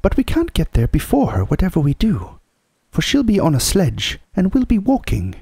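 A man's voice: high voice, wildly swooping pitch, moderate pace, vocal fry, warm tone, breathy edge, dry recording, pitched above the performer's own voice, full character voice. A man voicing an unflappable, practical, motherly female beaver in a storybook, fussy and homely. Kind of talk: storybook character voice.

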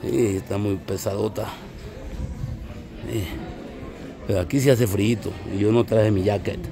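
A chatty Salvadoran man vlogs from a misty mountain, calling his viewers little friends. His voice is low and gravelly. Other people can be heard around him outdoors. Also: fairly even intonation, measured pace, crowd noise. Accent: Salvadoran Spanish. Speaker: travel vlogger. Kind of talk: casual vlog narration.

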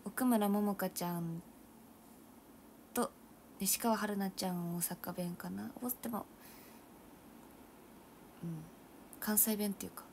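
On a livestream, a young woman idol streamer casually answers viewer comments, speaking slowly at a medium pitch with frequent pauses. Her manner is soft and self-mocking, often dropping to a half-whisper, and there's a little hiss or hum in the audio.

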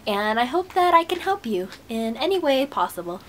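A woman's voice: sits high, big pitch swings, moderate pace. A young woman vlogging to her webcam in a small bedroom, sweaty after a run and a bit stuffed up, chatting in an upbeat, encouraging, rambling way. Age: young adult. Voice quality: stuffy nose. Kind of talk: casual motivational chat to camera. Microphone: webcam close up.

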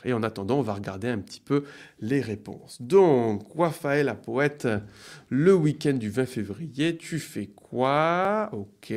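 Slow, deliberate French teacher man. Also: mid-range voice, darkish tone. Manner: slow, deliberate, drawn-out delivery of example sentences; upbeat praise, playful sound effects. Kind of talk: live online grammar lesson.

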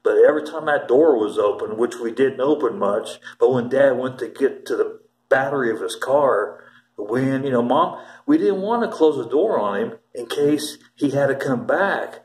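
Filming himself up close on a phone in a small plain room with echo, an older Ohio man rambles through casual stories at a normal speed. His voice is medium-pitched and emphatic, he keeps restarting sentences, and there's a little hiss or hum.

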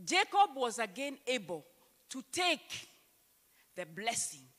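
A Kenyan woman pastor preaching a sermon into a handheld mic on a church stage, emphatic and slowing down to read scripture aloud. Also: on the high side, sing-song, fairly bright tone. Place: church stage, large hall. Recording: long church hall reverb.

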